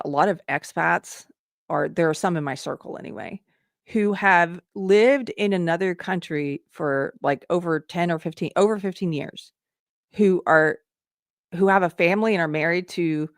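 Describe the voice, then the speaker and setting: A woman's voice: on the low side, no room sound, studio quality. A woman hosting a casual commentary show, thinking aloud with restarts and reading posts aloud as she comments on them. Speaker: host.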